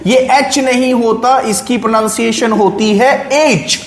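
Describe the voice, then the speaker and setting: Guy teaching english sounds, high voice, keeps asking right?, echoey room. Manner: slow, drawn-out word examples with frequent checks like "right?". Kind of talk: explaining pronunciation rules in a video lesson. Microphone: writing on a board while talking.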